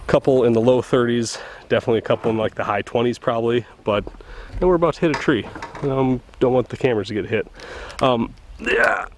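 A man's voice: mid-range voice, a little fast. A chatty man in his thirties, vlogging from a small boat on a river with the camera held at arm's length. His voice sits in a middle range, with a faint hiss of open air behind him. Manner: excitable, chatty, talking straight to camera. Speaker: host of fishing channel. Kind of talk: casual fishing vlog. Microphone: handheld camera at arm's length.

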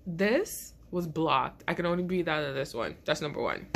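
With a deep, gravelly voice, lively intonation, and normal speed, a thirties-aged woman vlogs casually to camera in a small bedroom. Nursing a stuffy head cold, she is chatty and rambling and laughs often; a little hiss or hum can be heard.

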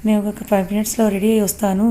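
A woman's voice: mid-range voice, level tone, racing, mellow, natural voice. A woman voicing a lovesick young man who insists and defends the girl he cares for.

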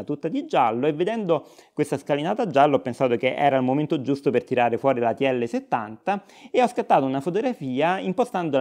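A man's voice: a little high, darkish tone. A man narrating a casual vlog, chatty and explanatory with frequent hesitations. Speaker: vlogger.

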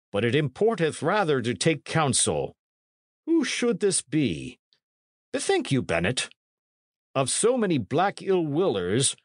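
A man's voice: mid-range voice, dry recording, clean studio sound, voice pushed up, exaggerated voice. A man voicing a portly middle-aged priest in an audiobook, fretful and scholarly, with pompous, exclamatory archaic speech. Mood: alarmed, questioning.

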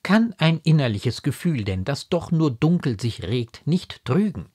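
A man's voice: fairly high pitch, very animated, a little slow, warm tone, husky, pitched above the performer's own voice, heavily acted. A man voicing a proud aristocratic mother in a classic novella reading, exclaiming in stern, elevated phrases. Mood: anxious. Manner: indignant, exclaiming, elevated diction.

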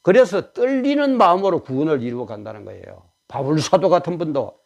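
A man's voice: a little high, big pitch swings, brisk, gravelly. A male pastor, preaching an emphatic, exhorting sermon.

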